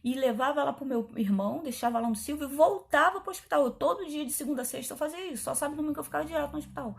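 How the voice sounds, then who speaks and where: A middle-aged woman pastor, telling her testimony in a chatty, animated way, acting out the dialogue as she goes. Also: sits high, racing, creaky. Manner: animated, chatty, frequent asides and quoted dialogue. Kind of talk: testimony storytelling.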